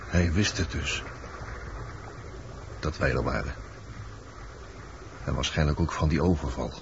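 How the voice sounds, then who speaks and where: A man's voice: very deep voice, measured pace, gravelly, heavily acted. An actor playing a suspicious, probing man in a radio drama, terse and pressing. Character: probing, suspicious man questioning his companion. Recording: muffled, noisy old radio recording.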